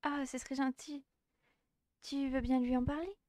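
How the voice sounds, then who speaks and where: A bashful teenage girl speaks in a high, quiet, hesitant voice, stumbling over her words. A woman voices her. The sound is close and dry, with no room around it. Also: steady tone, normal speed, no room sound, close to an everyday voice. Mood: timid. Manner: soft, hesitant, stammering. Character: shy timid teenage schoolgirl, blushing.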